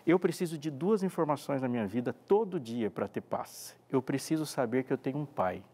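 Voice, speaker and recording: Man, pastor on a faith talk show, from Brazil; expressive, plays out quotes, mid-pitched. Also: a little fast. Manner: expressive, acts out quoted dialogue. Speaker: pastor and TV presenter. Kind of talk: devotional talk show conversation.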